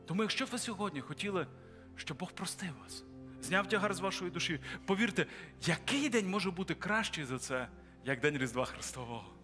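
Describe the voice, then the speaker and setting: A man's voice: sits high, lively intonation, a little fast, sharp tone, big-room sound. A man preaching and leading an altar-call prayer, urging listeners to come forward with pleading repetition. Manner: urgent pleading, repetitive invitations. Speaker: pastor. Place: large church hall with balcony. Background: applause and music.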